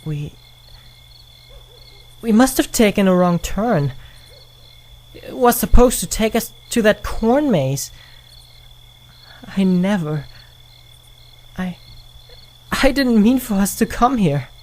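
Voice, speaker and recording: A man voicing a timid young man who stammers and blames himself, then slowly tells a ghost story in an amateur audio drama. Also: high voice, expressive, a little mellow. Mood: guilty. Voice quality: hesitant, stammering.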